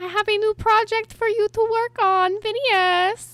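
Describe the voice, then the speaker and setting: This is a put-on character voice with an extremely high pitch. The pace is moderate. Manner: put-on impression.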